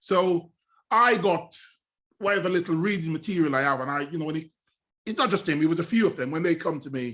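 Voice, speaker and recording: Talking at a very fast pace, a man with an English accent sounds animated, with a high pitch and a bright, sharp tone. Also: ordinary pitch variation. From Jamaica. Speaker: Windrush generation interviewee. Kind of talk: life story interview.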